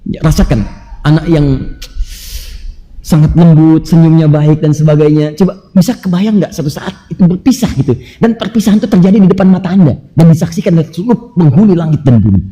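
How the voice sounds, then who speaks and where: A man preaching a sermon emphatically, firing rhetorical questions at listeners and reciting scripture quickly. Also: fairly high pitch, mellow. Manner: recites Arabic scripture quickly between explanations. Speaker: Islamic preacher. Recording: long hall reverb.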